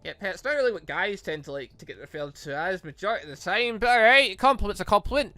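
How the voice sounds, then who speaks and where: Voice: mid-range voice, expressive, fast, sharp tone, dry recording, faint music behind. A gaming YouTuber giving casual, rambling and exclamatory commentary on a game. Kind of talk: casual game commentary with read-aloud dialogue.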